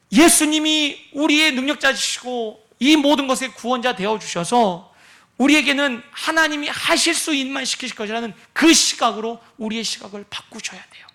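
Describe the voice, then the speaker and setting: A man's voice: very high-pitched, pushed and bright. A man preaching a sermon as a pastor, acting out prayers and the words of Jesus with dramatic swings, sometimes dropping to a near whisper.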